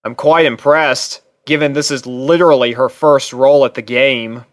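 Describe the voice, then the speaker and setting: A man narrates a first-person story from a script. His voice is lowish to medium in pitch, recorded dry and close with no room sound. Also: fairly even intonation, normal speed, no room sound. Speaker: narrator and reader.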